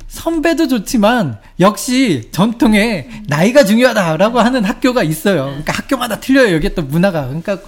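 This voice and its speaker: A man's voice: high voice, big pitch swings, a little fast, hardly any pauses. A Korean man in his forties explaining things in a casual chat and acting out short dialogues. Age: 40s. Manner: explanatory, acts out little dialogues.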